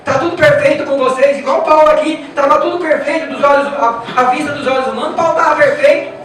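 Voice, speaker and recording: A man's voice: extremely high pitch, fast talker, fairly bright tone, far from the mic. A Brazilian man preaching a sermon with a Brazilian Portuguese accent, emphatic and repetitive, putting rhetorical questions to his congregation. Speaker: pastor. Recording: echoey church from afar with music.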